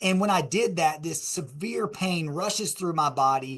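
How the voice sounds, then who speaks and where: A man with a high pitch and ordinary pitch variation against a quiet background. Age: 40s. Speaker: survivor telling his story. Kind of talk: testimony.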